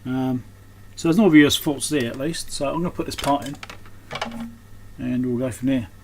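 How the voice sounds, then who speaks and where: A man's voice: medium pitch, moderate pace. A man giving casual, unscripted hands-on repair commentary, thinking aloud as he works. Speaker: host of an electronics repair channel. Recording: clearly noisy background.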